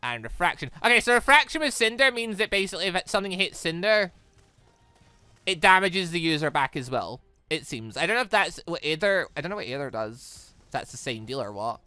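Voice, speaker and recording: An excitable British gamer rambles through let's play commentary, often breaking off mid-sentence. The voice is recorded close and dry, with music playing behind it. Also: medium pitch, a little fast, dry recording. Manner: excitable, rambling, self-interrupting. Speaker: gaming video host. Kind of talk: let's play commentary, reading dialogue aloud. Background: game music.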